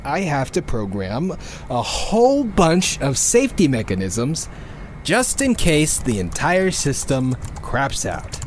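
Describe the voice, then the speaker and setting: A man's voice: fairly high pitch, huge pitch swings, slow pace, slight background noise, exaggerated voice. A man playing a frustrated, sweary programmer in a sci-fi audio drama, talking in an exasperated way. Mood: weary, explaining. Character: frustrated sweary male programmer on a doomed earth.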